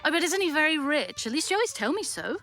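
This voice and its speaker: An actress playing a playful, tart young wife in a Victorian audio drama. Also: female voice, high-pitched, quick pace, soft background music, heavily acted. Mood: playful scorn. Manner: playful, scornful, animated.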